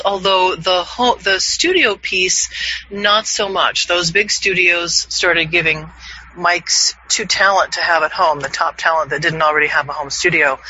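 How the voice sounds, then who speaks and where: A man in his fifties, a voiceover coach leading an online class, upbeat and quick to laugh. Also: high voice, sharp tone, slight background noise. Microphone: video call. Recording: dull, lo-fi video call audio.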